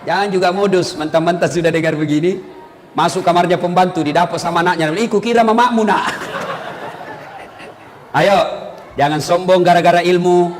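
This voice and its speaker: Guy preaching, high voice, jokey and animated, big echoey hall. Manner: animated, acts out voices for jokes. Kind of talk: humorous sermon. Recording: long hall reverb, faint noise.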